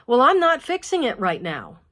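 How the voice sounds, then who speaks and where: A woman's voice: on the high side, wildly swooping pitch, moderate pace, a bit bright, voice pushed up. A woman reading aloud, voicing a weary teenage girl who talks to her younger siblings in a raised, exasperated voice. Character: weary teenage girl, frazzled older sister.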